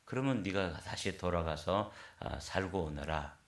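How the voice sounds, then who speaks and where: A man voicing God in a sermon anecdote, speaking calmly and reprovingly, recorded in an echoey church. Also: low-pitched, measured pace. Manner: calm, reproving.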